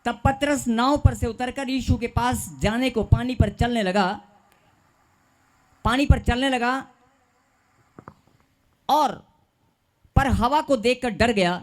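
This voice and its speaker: A man's voice: very high-pitched, slow, long pauses. A male pastor preaching a sermon, leading the congregation in call-and-response and stretching out repeated phrases for emphasis.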